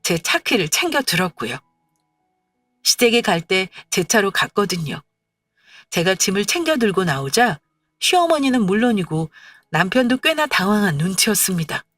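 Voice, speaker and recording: A woman's voice: medium pitch, sing-song, moderate pace, fairly bright tone. Woman narrating a first-person story.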